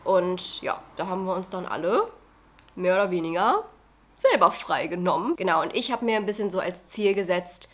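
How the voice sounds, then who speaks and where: A woman's voice: fairly low pitch, big pitch swings, normal speed. A young woman in her twenties, a medical student with a cold, chatting casually into a camera held close in her bedroom. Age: 20s. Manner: chatty, rambling, mixes in English phrases. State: stuffy with a cold. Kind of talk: casual vlog chat. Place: small bedroom. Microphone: camera at arm's length.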